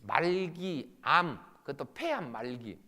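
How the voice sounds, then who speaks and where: A middle-aged man preaching a Sunday sermon as pastor, animated, swinging between loud and hushed, often acting out quoted dialogue in different voices. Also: on the high side, slow. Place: church sanctuary. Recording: long church reverb.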